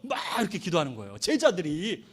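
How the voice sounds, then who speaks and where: Male missionary pastor mid-sermon, bright high register, swooping animated delivery, acts out quotes. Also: quick pace, husky. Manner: animated, dramatic, asks the congregation to respond; acts out quoted voices with loud shouts. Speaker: missionary preacher.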